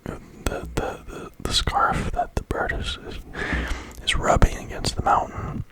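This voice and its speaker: A man speaking in a breathy whisper in a rambling ASMR monologue, halting mid-thought and repeating words. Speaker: ASMR creator.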